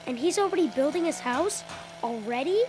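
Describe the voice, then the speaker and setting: An earnest little cartoon boy, pitched extremely high. He is suspicious, insistent and determined, with prominent music behind him. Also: expressive, moderate pace, poor audio. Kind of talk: cartoon voice acting.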